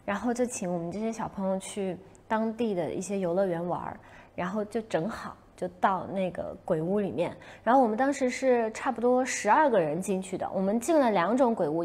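A young woman hosting a casual livestream, telling a story in an animated way and acting out her own past shouts. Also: mid-range voice. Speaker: livestream host.

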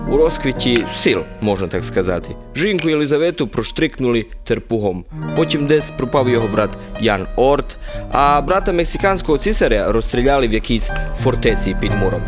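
An actor playing a good-natured, simple-minded soldier who rambles naively and confidently in a radio play. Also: male voice, medium pitch, natural voice. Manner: rambling, naive tavern philosophizing with confident pronouncements. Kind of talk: radio play character acting. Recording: music under the voice.

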